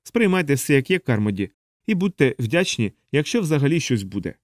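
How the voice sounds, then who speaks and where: Man doing a lecturing high-voiced alien helper. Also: sing-song, a little fast, no echo, studio quality, close to an everyday voice. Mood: urgent. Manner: didactic, explaining at length. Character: fussy alien male helper, lecturing and urgent. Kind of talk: audiobook character voice.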